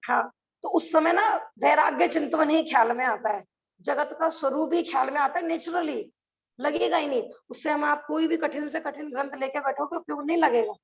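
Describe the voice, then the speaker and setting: Leading an online scripture lesson, a high-pitched woman with a gravelly edge speaks earnestly at a moderate pace, repeatedly posing rhetorical questions to her class. The audio is dull and lo-fi, like a video call. She is a religious teacher.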